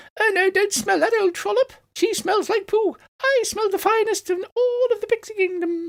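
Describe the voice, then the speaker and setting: A man's squeaky put-on character voice, extremely high in pitch, at a moderate pace. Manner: snooty, boastful.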